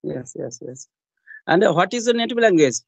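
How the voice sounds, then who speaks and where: A man's voice: high voice, very animated, gravelly. A man. He stops and restarts often and keeps saying "yes, yes". The sound is dry and close, with no room echo. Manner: repeats "yes, yes" as backchannel, halting questions. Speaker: interviewer, English practice partner. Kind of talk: conversation practice interview.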